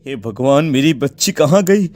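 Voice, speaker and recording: A man's voice: mid-range voice, animated, moderate pace, a little mellow, no echo, close to an everyday voice. A man voicing a desperate village father searching for his lost daughter, anguished and pleading.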